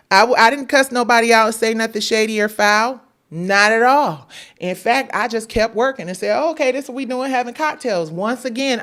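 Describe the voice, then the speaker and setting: A woman's voice: a little high, fairly bright tone. A woman in her thirties hosting a live Q&A, telling her side of a story in a candid, emphatic way with frequent profanity. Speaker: livestream host. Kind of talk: live Q&A monologue to viewers.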